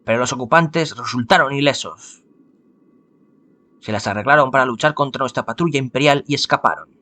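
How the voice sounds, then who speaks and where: A man's voice: mid-range voice, fairly quick, sharp tone, faint music behind, natural voice. A man voicing a dutiful samurai messenger, giving a formal report.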